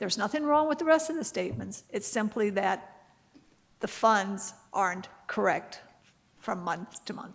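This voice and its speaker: A woman with an unremarkable speaking voice talks at a medium pitch. Her intonation is lively, with big swings in loudness. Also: moderate pace. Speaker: city official presenting finances. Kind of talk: council meeting report. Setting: city council meeting.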